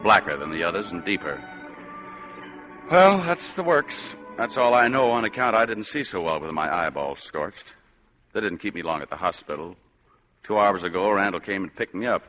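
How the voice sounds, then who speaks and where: An actor playing a wisecracking hard-boiled private eye in an old-time radio drama, dry and sardonic. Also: male voice, low voice, animated, moderate pace, sharp tone, soft background music. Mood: brooding. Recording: dull old radio broadcast.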